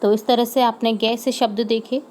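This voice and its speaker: Woman teacher, slightly high-pitched, patient and repetitive, walking young pupils through homework over faint background noise. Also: little pitch movement, darkish tone. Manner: patient, repeats words slowly and checks in with "ठीक है".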